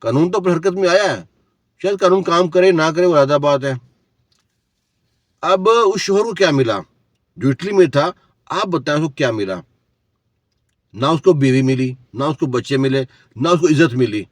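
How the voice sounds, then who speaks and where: A man's voice: fairly high pitch, no echo, studio quality. A man telling a cautionary story in a preachy, lecturing way, asking the listener rhetorical questions. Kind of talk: moralizing storytelling.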